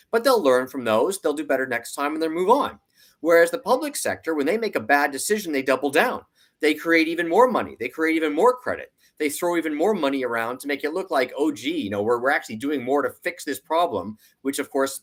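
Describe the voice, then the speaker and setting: A man's voice: a little high, a bit bright. A man speaking off the cuff as an interview guest, giving emphatic economic commentary with rhetorical questions and repeated points.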